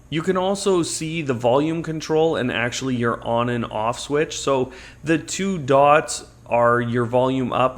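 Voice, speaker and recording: Male tech review host, medium pitch, conversational tutorial delivery, clear step-by-step explaining. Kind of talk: unboxing and tutorial narration, conversational.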